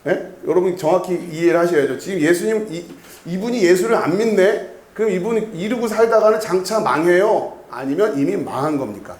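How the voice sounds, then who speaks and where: High-pitched and a little mellow, the pastor's voice is expressive and fairly quick, barely pausing as it echoes through the church sanctuary. He preaches expository material in a chatty way, often questioning the congregation and repeating key words.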